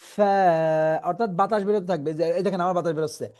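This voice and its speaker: A man teaching Quran reading in an online class, patiently explaining and slowly repeating letter sounds for his students. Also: high voice, noisy background.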